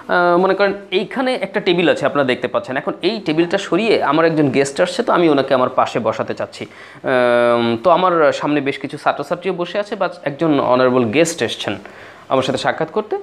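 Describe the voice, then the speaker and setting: A man with a Bangladeshi accent teaching spoken English in a classroom style. He says each phrase again and again and spells words out letter by letter. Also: fairly high pitch. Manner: acts out little everyday scenes.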